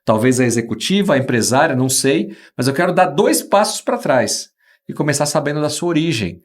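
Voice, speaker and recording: Lively, high-pitched male host. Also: fairly quick. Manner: enthusiastic, emphatic. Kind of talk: podcast interview chat.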